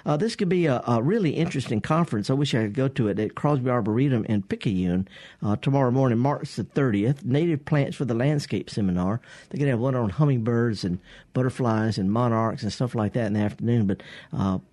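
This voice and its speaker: Folksy radio host, a man, husky and warm-toned, close and dry in the studio. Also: medium pitch, fairly quick, no echo. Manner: folksy, rambling, chuckling. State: husky from pollen. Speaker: radio gardening show host. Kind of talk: casual radio call-in talk. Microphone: studio microphone.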